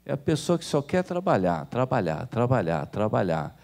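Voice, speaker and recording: A man's voice: moderate pace, vocal fry. A man with a Brazilian Portuguese accent, preaching a sermon as pastor and acting out the people he quotes. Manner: animated, acts out quoted people with jumps in pitch.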